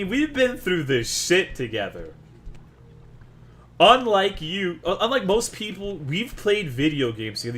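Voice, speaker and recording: This brash Texan gamer chats with viewers while streaming a video game, joking crudely and swearing freely. He has a high voice with a fairly bright tone.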